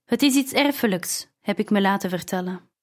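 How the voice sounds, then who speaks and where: A woman's voice: medium pitch, moderate pace, lightly acted. A woman reading as a stern, commanding father. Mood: explaining. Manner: firm and commanding. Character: stern commanding older father, calm authority.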